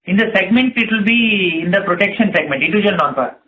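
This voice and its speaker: A man giving measured, explanatory answers as a company executive on an earnings call. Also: high voice, expressive. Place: conference call. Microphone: telephone. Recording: tinny phone line with noise and clicks.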